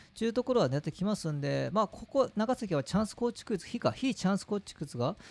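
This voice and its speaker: A man at a very fast pace with very wide pitch swings, on a very clean recording with a silent background. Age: 30s. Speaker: football YouTuber. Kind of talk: solo match preview commentary. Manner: casual, many filler words.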